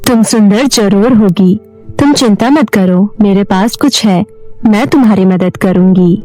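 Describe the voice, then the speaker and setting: A woman voicing a kindly, calm water goddess in a cartoon story, soothing and measured. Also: mid-range voice, faint music behind, pitched below the performer's own voice, natural voice. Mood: reassuring.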